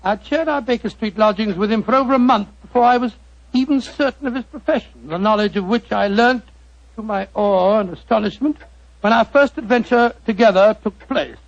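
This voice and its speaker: An actor playing a genial elderly doctor who tells the story, with a bumbling, chummy manner, in a 1940s radio drama. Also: male voice, sits high, a little fast, no room sound. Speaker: narrator of the tale. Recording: dull 1940s radio broadcast.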